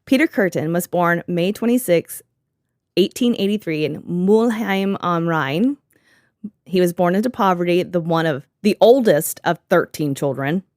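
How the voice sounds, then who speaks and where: A woman hosting a podcast in an easy, sarcastic chat, laughing often and swearing freely. Her voice sits a little low and the sound is dry and close to the mic. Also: a little slow, a little mellow, dry recording. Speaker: podcast host. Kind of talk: casual chat.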